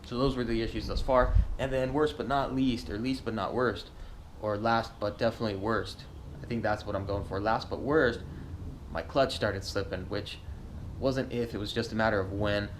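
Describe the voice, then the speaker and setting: A man chats to his viewers in a casual, slangy vlog style. His voice is on the low side, and there is faint background noise in the recording. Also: fairly even intonation, moderate pace. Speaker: motovlogger. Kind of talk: casual garage vlog update.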